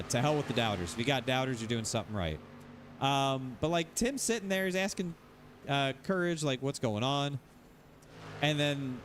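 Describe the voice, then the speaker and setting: A man's voice: mid-range voice, slight background noise. A man streaming sim racing, ranting casually, rambling and repeating himself, swearing freely. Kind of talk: casual livestream rant.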